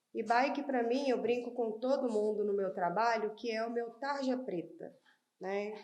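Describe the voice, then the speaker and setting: Fairly high in pitch with ordinary pitch variation, a woman speaks at a moderate pace in a dark, mellow tone, with audible room echo. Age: 30s. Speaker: community health agent, cyclist. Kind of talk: podcast interview. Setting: bar tasting room.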